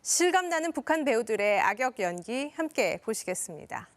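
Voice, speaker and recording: A woman's voice: a little high, big pitch swings, moderate pace. A woman presenting a news magazine from a script.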